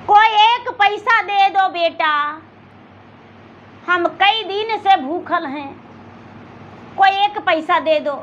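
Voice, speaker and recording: A poor old beggar woman, as a woman storyteller puts her on, pleading in a very high, bright voice. She speaks slowly, like a humble mother figure in a folk tale, on a slightly noisy, dull recording. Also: heavily acted. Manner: pleading, addresses listeners as son. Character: poor hungry old beggar woman, secretly a river goddess.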